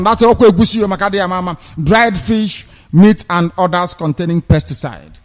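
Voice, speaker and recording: A man's voice: a little high, a little mellow, in a large hall. A man with a Nigerian accent on a radio broadcast. He reads news items aloud and breaks off into scornful, mocking commentary full of rhetorical questions.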